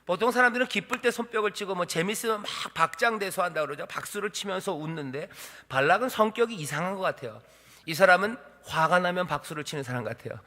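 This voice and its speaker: A male pastor delivers an animated sermon, firing rhetorical questions at the congregation and talking fast. His voice sits high and rings bright. The long reverb of a church hall fills the sound.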